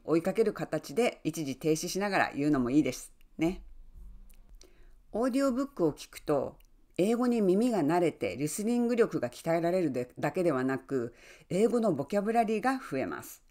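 A woman who works as an online English coach, giving friendly, encouraging advice and often adding soft tag words as she talks. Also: fairly low pitch. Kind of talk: advice talk to camera.

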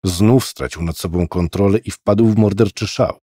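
A man narrating a horror audiobook in a measured, dramatic storytelling manner. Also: deep voice, warm tone, breathy edge, no room sound, clean studio sound. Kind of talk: scripted narration.

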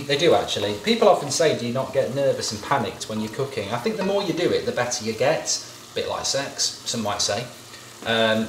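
A man's voice: medium pitch, fairly bright tone, far from the mic, slight background noise. A man in his thirties hosting a home cooking video, chatting casually and rambling off into jokes while he cooks. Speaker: cooking show host. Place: home kitchen, indoors. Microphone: camera mic at a distance. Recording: echoey kitchen, mic set back.

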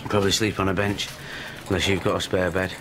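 A man's voice: sits low, little pitch movement, quick pace, noisy background, close to an everyday voice. An actor playing a resigned male drinker in a TV drama. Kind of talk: naturalistic TV drama acting.

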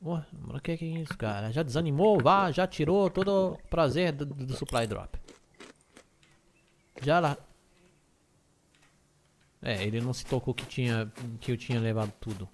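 A man with an Algerian accent, mixing Arabic and French sounds, loudly and excitably commentating his own gameplay. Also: mid-range voice, moderate pace, long pauses, slight background noise. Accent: Algerian, Arabic and French mix. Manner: loud, excitable, shouts into the mic. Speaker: gaming YouTuber. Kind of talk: let's play commentary.

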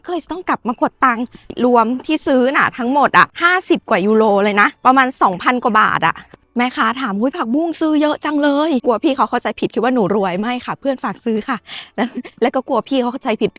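A young woman from Thailand chats away in a casual vlog, playful and joking with cheeky slang. Her voice sits a little high for a woman. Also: fast, pushed and bright. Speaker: vlogger.

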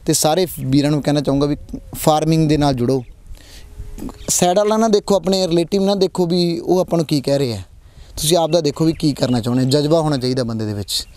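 Young Punjabi farmer, earnest, rapid repetitive delivery, handheld mic outdoors. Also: male voice, a little high, a little mellow. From Punjab, India. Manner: earnest, repeats phrases, rallying young people. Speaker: prize-winning dairy farmer. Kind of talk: on-camera interview. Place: outdoor dairy farm. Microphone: handheld mic held by interviewer.

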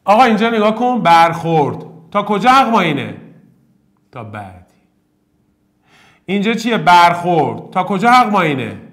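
Animated, joking male math teacher. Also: pauses often. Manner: animated, jokey, swings between loud bursts and low muttering. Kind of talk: exam-prep math lesson.

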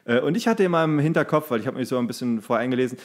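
A man's voice: medium pitch, animated, rapid-fire. A young man co-hosting a podcast in a casual, playful, jokey way. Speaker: podcast co-host. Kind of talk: casual chat.

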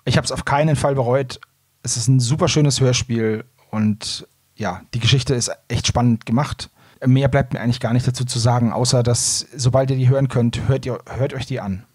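A man's voice: medium pitch, steady tone, moderate pace, darkish tone, breathy edge, no room sound, studio quality. A man hosting a podcast, chatting casually about audio dramas. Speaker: podcast host.

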